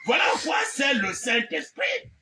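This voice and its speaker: A man's voice: very high voice, huge pitch swings, unhurried, raised voice, music in the background. A man preaching a fiery revivalist sermon, exclamatory and theatrical, insistently repeating phrases and amens. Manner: mocking, theatrical asides. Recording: distant mic with faint background noise.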